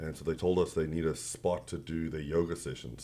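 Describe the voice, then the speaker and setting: In a very clean recording with a silent background, a man with an American accent talks at a fairly quick pace, his voice very deep and low with a dark, mellow tone. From Texas. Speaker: restaurant manager. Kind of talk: radio interview. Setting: studio.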